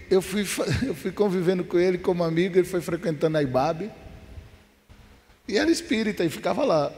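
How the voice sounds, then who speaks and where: A Brazilian pastor on a church panel, telling a story in lively, colloquial Portuguese. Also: male voice, a little high. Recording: reverberant church hall.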